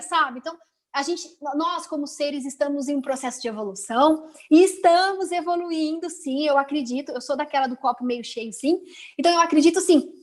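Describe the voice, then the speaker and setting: A Brazilian Portuguese-speaking woman teacher talking casually on a video call, chatty and expressive, with many rhetorical questions and quick asides. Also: high voice. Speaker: teacher, invited guest. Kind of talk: casual web conference talk.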